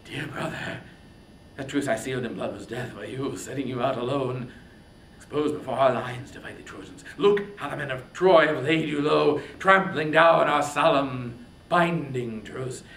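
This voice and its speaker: Guy doing wrathful grieving warrior king from an epic poem, declaiming hard, forceful, roomy echo w faint rumble. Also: normal speed. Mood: outraged. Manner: impassioned, declamatory, swinging from shouts to breathy whispers. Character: anguished, wrathful warrior king grieving over wounded brother. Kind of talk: dramatic reading of epic poetry.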